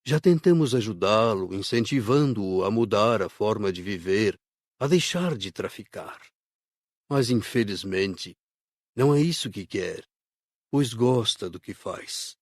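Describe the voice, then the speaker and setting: A Brazilian man voicing a sober spirit helper in an audiobook, explaining in a measured, serious way. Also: on the low side, lively intonation, dry recording, studio quality. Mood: sober, regretful. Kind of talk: audiobook dialogue reading.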